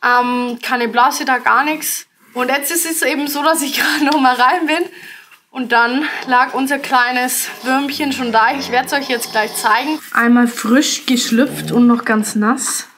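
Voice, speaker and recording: A woman's voice: high-pitched, steady tone, a little slow, a bit bright. A woman, explaining casually in a handheld farm video diary. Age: 20s. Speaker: farmer, vlog host. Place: farmyard and cattle barn. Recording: noisy handheld farm vlog.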